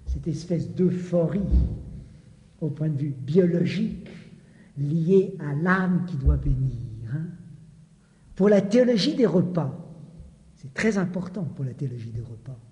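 Brief: male preacher, slow deliberate delivery, mellow tone, repeats himself, soft asides, recorded in a reverberant hall. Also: on the high side, lo-fi sound. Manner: halting, repeats words, drops to soft asides. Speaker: preacher reading and commenting on scripture. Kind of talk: slow scripture reading with commentary. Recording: long reverb of a large hall.

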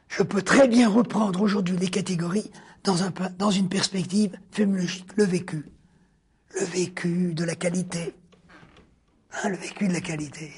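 A man with a very husky, breathy voice delivers a philosophy lecture in deliberate, stretched-out phrases. He keeps returning to key words for emphasis and sometimes sinks into a hushed near-whisper. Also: high-pitched. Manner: deliberate, drawn-out phrasing with sudden hushed drops.

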